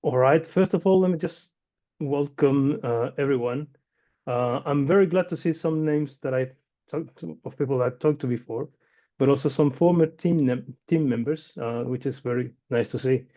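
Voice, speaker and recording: A man from Chile, in his forties, presents his invention to an online audience. His voice is deep-toned and mellow, the talk easygoing and full of hesitations. The sound comes through a dull, lo-fi video call. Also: moderate pace. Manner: conversational, with frequent fillers and restarts. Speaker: inventor and company founder presenting. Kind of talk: webinar presentation.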